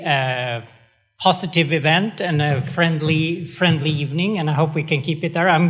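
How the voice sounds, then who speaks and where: A middle-aged man from Sweden with a Swedish accent, an executive director giving a chatty, self-deprecating speech with many fillers. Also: a little high. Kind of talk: speech at an event.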